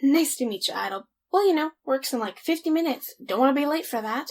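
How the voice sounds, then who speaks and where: A woman's voice: high voice, lively intonation, a little fast, a little mellow. A woman playing a tired, flippant young reluctant hero in an audio drama, offhand and sarcastic. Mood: offhand, impatient.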